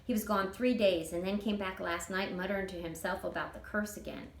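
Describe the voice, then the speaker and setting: A woman's voice: mid-range voice, fairly quick, natural voice. Storybook child role: woman as an earnest, watchful country girl, plainspoken, questioning, with roomy sound. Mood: troubled. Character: earnest, watchful fifth-grade girl from rural mountains.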